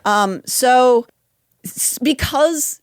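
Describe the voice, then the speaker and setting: A woman's voice: sits high, expressive, drawn-out words, clear, resonant tone, no echo, studio quality. Wry, chatty woman podcast host. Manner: wry, chatty, frequent laughs and asides. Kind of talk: casual conversational podcast.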